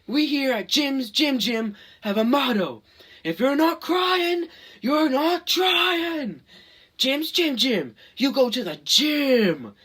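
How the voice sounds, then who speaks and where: A man's voice: expressive, slow pace, exaggerated voice. A man playing an overexcited gym commercial announcer in a mock radio ad. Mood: hyped. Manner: hyped, shouty ad pitch.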